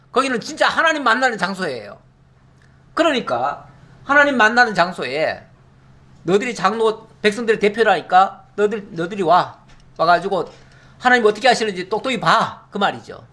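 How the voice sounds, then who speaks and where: A man's voice: high-pitched, big pitch swings, fairly quick, bright, forceful tone. A middle-aged male pastor teaching a Bible passage in a conversational sermon, asking rhetorical questions and affirming himself with frequent "yes".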